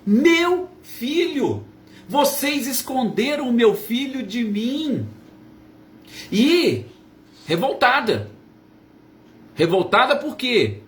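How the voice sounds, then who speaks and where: A man's voice: high-pitched, fairly bright tone. A man leading a Spiritist study talk, explaining and asking and answering his own questions. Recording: roomy echo, faint ambience.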